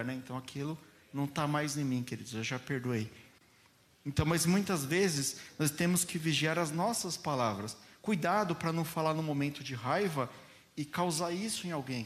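A man preaching a sermon as a pastor, speaking mildly and deliberately, often calling his congregation "dear ones". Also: fairly high pitch. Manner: slow, gentle delivery addressing listeners as "queridos".

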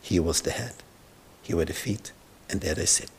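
A man's voice: low voice, breathy edge. A male pastor preaching a sermon, telling the Bible story dramatically and sometimes dropping to a whisper. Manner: slow, dramatic, drops to whispers when retelling scripture.

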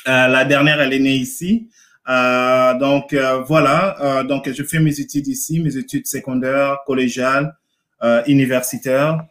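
A man from Montreal of Congolese descent speaking casually and haltingly as a guest in a live interview. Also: mid-range voice, flat delivery, a bit bright. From Montreal, Canada, of Congolese descent.

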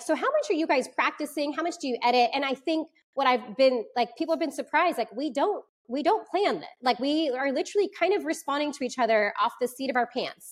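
Husky-voiced woman chatting casually. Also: sits high. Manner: chatty, peppered with "like" and "you know". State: husky, under the weather. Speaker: podcast co-host. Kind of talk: casual chat. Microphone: remote recording over internet.

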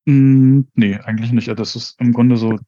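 A man's voice: mid-range voice, fairly even intonation, normal speed, mellow, no echo, muffled recording. A man co-hosting a podcast discussion, talking hesitantly and hedging with many fillers. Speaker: podcast co-host.

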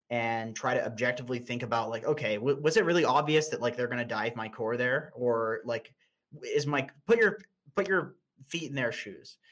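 A man's voice: medium pitch, fairly bright tone. A young man streaming and chatting casually, blunt and laughing often, with frequent restarts.

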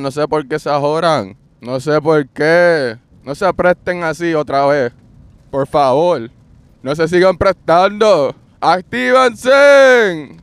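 Defiant Puerto Rican man, high voice. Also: clean tone, dry recording. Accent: Puerto Rican Spanish. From Puerto Rico. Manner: defiant, repetitive, swears often. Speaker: podcast host. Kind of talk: rambling solo monologue.

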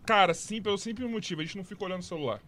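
A man's voice: high voice, very fast, a crowd in the background. A man with a Brazilian Portuguese accent hosting a casual live podcast, blunt and teasing, swearing freely. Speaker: podcast host.

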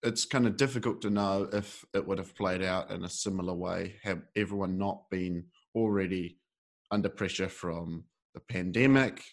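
A man with a fairly low voice speaks as an interviewer in relaxed conversation. He is tentative and reflective, hedging often and letting his sentences wander as he feels his way through a thought. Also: moderate pace.

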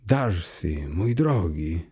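A man reading a warm, joyful young man in a storybook. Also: sits low, very animated, drawn-out words, breathy edge, full character voice. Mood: warm cheerful.

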